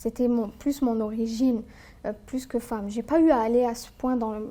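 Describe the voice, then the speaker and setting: This woman talks at a moderate pace with a fairly high pitch. Her intonation is monotone and flat. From Algeria (Algiers). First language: Algerian Arabic (speaking French). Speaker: tax lawyer. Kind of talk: interview.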